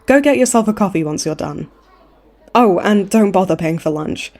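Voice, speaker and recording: A cocky supervillain woman, acted by a woman for a comedy audio roleplay. Her voice is mellow and mid-pitched. She talks in a breezy, chummy, teasing way, entirely pleased with herself. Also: expressive, normal speed, lightly acted. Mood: friendly, chummy. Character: cocky, cheeky supervillain woman, a chummy hospital frequent flyer.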